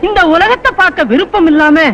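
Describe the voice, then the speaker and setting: A man's voice: extremely high pitch, animated, a little fast, sharp tone, lo-fi sound, exaggerated voice. An actor playing a scheming man who collects money for a funeral, talking in a wheedling, mock-solemn way, in an old film comedy. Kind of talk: 1980s Tamil film comedy. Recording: noisy old film soundtrack.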